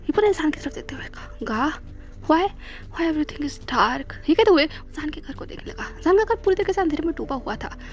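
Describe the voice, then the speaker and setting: A woman storyteller reading her own fan-fiction in a soft, often breathy voice, mixing in English words. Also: very high voice, expressive, fast, hardly any pauses, faint music behind. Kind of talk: scripted fan-fiction narration.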